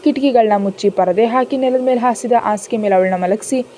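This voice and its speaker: A woman's voice: fairly high pitch, fairly quick, warm tone, slight background noise. A woman reading a romantic family story aloud as a storyteller, voicing the characters' lines in her own narrating voice.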